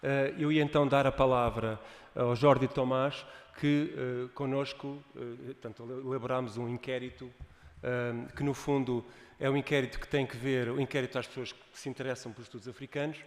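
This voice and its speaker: A man's voice: mid-range voice, flat delivery, a little fast. Hesitant man chairing a session. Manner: hesitant, frequent filler sounds. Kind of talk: introducing a speaker at a conference. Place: university conference hall. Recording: echoey hall, long reverb.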